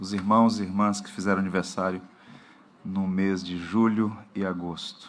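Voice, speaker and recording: With a Brazilian accent, a man talks at a moderate pace and fairly low pitch in monotone, flat intonation, his loudness swinging widely, with long, frequent pauses and audible room echo. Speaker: pastor. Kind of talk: church announcements. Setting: church service.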